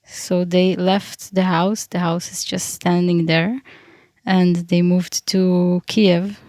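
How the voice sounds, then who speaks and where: A woman in her thirties from Ukraine, raised in Israel, speaking slowly in a fairly low voice. She sounds thoughtful and hesitant, often pausing to find her words. The recording is dry and close. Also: little pitch movement, a little mellow, no room sound. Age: 30s. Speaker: guest. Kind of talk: casual interview.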